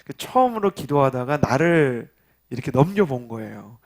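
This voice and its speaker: A man's voice: mid-range voice, very animated, moderate pace. A man in his thirties preaching a youth sermon, telling personal stories in a chatty way and leading the congregation in call-and-response. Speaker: youth pastor. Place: church worship service.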